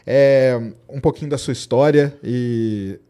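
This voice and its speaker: A man hosting a podcast interview, asking informal questions with frequent "né?" tags and quick reactions. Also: medium pitch, warm tone, clean tone. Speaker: podcast host. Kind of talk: casual interview chat.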